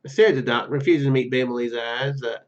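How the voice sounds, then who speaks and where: A man's voice: mid-range voice, fast talker, lo-fi sound, a crowd in the background. A man hosting a gaming video, reading game text aloud and commenting as he plays.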